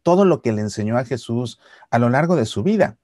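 A middle-aged man giving a Catholic reflection to camera, explaining patiently and slowing for solemn lines. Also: medium pitch, expressive, no echo, studio quality. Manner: warm explanatory storytelling, slows for solemn lines. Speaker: Catholic YouTuber. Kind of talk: reflective religious talk to camera. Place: Seattle archdiocese series.

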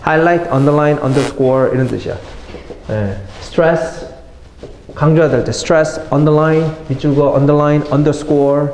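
A middle-aged man teaching English vocabulary in a lively classroom lecture, mixing English phrases into his explanations and talking to his students as kids. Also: on the high side, slow. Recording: echoey classroom with faint noise.

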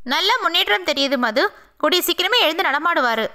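A woman plays a friendly middle-aged family doctor in a storybook reading. He reassures gently and asks his questions with kindly concern. Her voice stays high and bright. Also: animated, normal speed, full character voice. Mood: reassuring.

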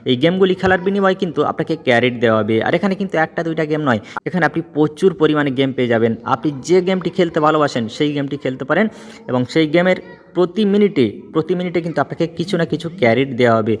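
A man narrating a step-by-step app tutorial as host, emphatic and repetitive, mixing English connectives into his talk. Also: a little high. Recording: long reverberant echo on voice.

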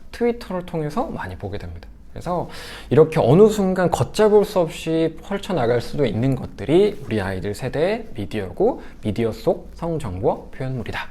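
Animated male lecturer with lively pitch. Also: normal speed, hardly any pauses. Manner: animated, acts out quoted lines. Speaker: sex education lecturer. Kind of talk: lecture to parents.

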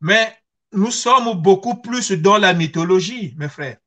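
A man's voice: high voice, lively intonation, takes it slowly, fairly bright tone. A middle-aged man with a Congolese accent, giving personal testimony in an earnest, emphatic way with rhetorical questions. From Congo-Brazzaville. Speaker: guest speaker. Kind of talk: personal testimony on history and identity. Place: small furnished room at home, video call.

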